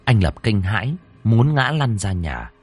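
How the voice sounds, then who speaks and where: A man's voice: lowish voice, big pitch swings, measured pace. A man narrating a ghost story in a suspenseful, dramatic way.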